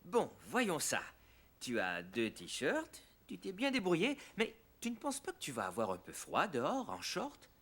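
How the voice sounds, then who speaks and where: An actor playing a patient, playful young father in a children's cartoon, gently teasing. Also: medium pitch, huge pitch swings, measured pace, breathy edge, full character voice.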